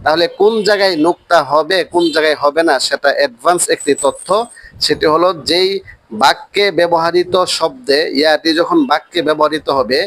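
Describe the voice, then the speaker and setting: A man with a high voice teaches the Arabic letters with slow patience. He repeats each point and draws every letter name out long and loud. The sound is dry and close, with no room behind it. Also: no room sound. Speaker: Quran teacher.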